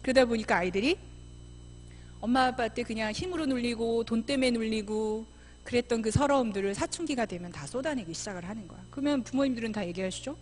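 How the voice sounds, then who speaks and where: A middle-aged woman missionary giving a church seminar talk, lively, often acting out mothers and children in quoted voices. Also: on the high side, fast, a little hiss or hum. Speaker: missionary speaker. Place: church sanctuary.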